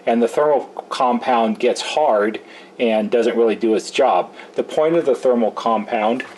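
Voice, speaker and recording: A man's voice: medium pitch, unhurried, a little mellow, slight background noise. A man giving an unscripted, methodical, explanatory walkthrough of a hands-on electronics repair as a technician. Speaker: electronics repair technician hosting a rebuild video. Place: indoors at a repair workbench.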